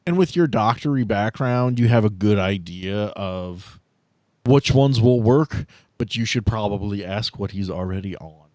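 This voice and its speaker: A man's voice: lowish voice, unhurried, darkish tone, no echo. Dryly sardonic man running a game. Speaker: game master. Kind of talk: casual tabletop roleplay narration and banter.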